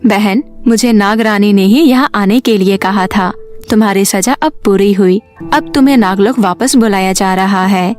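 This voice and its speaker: A woman voicing a serpent sister, a plain and firm messenger, in an animated story. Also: medium pitch, normal speed, soft background music, pitched below the performer's own voice, close to an everyday voice. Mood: firm, informative. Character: serpent sister bearing a message and a firm condition.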